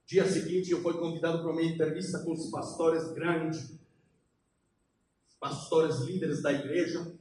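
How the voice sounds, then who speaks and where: A high-voiced man delivers a fervent church sermon as a missionary preacher. His Portuguese is halting and non-native, with a Polish accent, and his delivery is emphatic. He sounds away from the microphone in a very reverberant space. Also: flat delivery, a little mellow. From Poland. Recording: very echoey hall, distant, faint noise.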